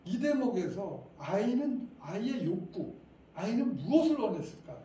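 Speaking at normal speed with a high-pitched yet dark-toned voice, this middle-aged lecturer is very animated as he quizzes parents and chuckles through an interactive talk at a parent education session. A far-off mic picks him up in a reverberant hall with faint ambient sound.

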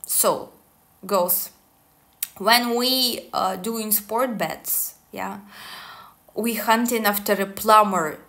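A woman, talking casually to the camera in deliberate, halting English. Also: mid-range voice, fairly bright tone. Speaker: online esoteric coach. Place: small indoor room, seated at a table.

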